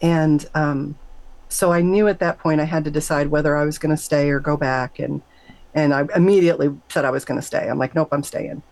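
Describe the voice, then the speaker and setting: Her tone is steady and a bit dark, her pace brisk, and the rough recording carries no echo. This middle-aged interview guest tells her own near-death story in a sincere, chatty way, imitating other people's words with sharp jumps into a high pitch.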